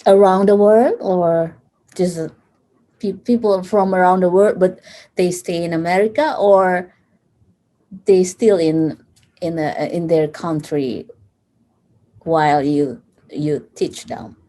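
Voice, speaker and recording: A woman with a strong East Asian accent who speaks English as a second language, asking casual questions haltingly as a language student. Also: on the low side, dark tone. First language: non-native English speaker. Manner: halting, searching for words.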